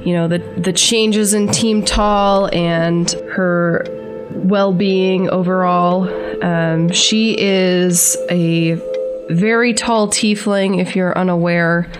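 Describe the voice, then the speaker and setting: A woman gives a casual recap of her character on a tabletop show. Her voice sits a bit low and she takes her time. Faint music is behind her. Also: steady tone, takes it slowly.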